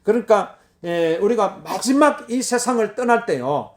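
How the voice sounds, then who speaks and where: A middle-aged man preaching a sermon, repeating key words and breaking into sudden loud exclamations. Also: high voice, lively intonation, a little slow. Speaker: pastor.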